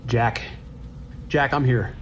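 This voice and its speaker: A man's voice: mid-range voice, steady tone, slow pace, a little hiss or hum, lightly acted. An actor playing an anxious, earnest male trucker who stammers in a horror radio drama. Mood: desperate pleading. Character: worried male trucker, desperate pleading family man.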